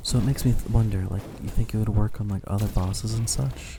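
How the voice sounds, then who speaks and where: Noticeable background noise sits behind a man with a fairly low pitch. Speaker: gaming YouTuber. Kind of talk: gameplay commentary. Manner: rambling; soft-spoken.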